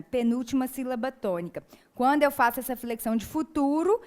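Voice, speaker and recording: High-voiced Brazilian woman teaching grammar. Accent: Brazilian Portuguese. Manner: explanatory, checks in with tag questions. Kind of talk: exam-prep grammar lesson.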